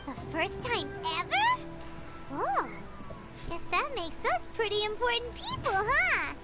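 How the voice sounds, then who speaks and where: A woman's voice: very high-pitched, very animated, unhurried, exaggerated voice. A woman voicing a tiny floating fairy companion who chatters in a bubbly, exclaiming way. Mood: chirpy. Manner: bubbly, exclaiming, refers to herself by name. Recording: game audio with music behind.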